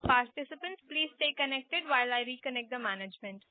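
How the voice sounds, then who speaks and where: A woman's voice: sits high, lively intonation, a little fast, slight background noise. A woman moderating a conference call as operator, formal and polite, with scripted phrasing. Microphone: telephone conference line. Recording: dry tinny phone line.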